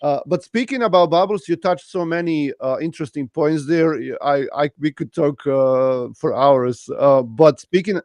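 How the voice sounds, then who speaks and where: A man's voice: a little high, normal speed, hardly any pauses, a little mellow, no room sound. Hesitant host man, dry close sound. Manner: agreeable, many "uh" hesitations. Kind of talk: casual interview chat.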